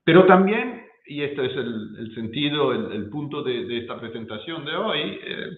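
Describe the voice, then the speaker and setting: A man with an Italian accent, a non-native speaker giving an academic presentation, halting and often repeating words as he searches for them. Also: medium pitch, very animated. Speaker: guest speaker, professor. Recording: echoey room, muffled lo-fi sound.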